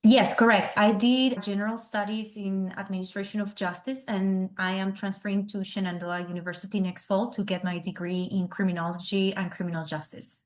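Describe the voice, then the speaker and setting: A woman's voice: medium pitch, flat delivery, a little fast, hardly any pauses, darkish tone. Young Argentine-accented woman, Spanish first language, sincere graduate guest on a video call. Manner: earnest, careful, grateful. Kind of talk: interview over video call.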